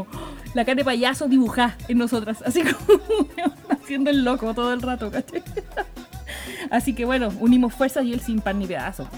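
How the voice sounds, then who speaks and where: A woman's voice: a little high, a little mellow. A young woman with a Chilean accent hosting a podcast, chatting in a slangy way and laughing often. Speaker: podcast host. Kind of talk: casual chat.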